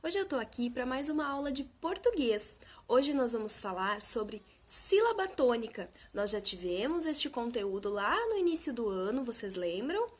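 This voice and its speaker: A woman teacher with a high voice records a lesson for young pupils. She speaks patiently and draws out example words slowly, hitting the stressed syllable hard. Her tone stays simple and encouraging, aimed at children. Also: very animated, breathy edge. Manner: slow, patient, exaggerated syllable emphasis. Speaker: primary school teacher.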